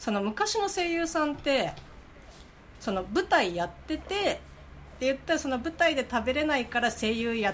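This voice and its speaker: A woman talks at a moderate pace. Her voice sits high and swings very widely in pitch. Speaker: podcast co-host. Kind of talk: casual chat.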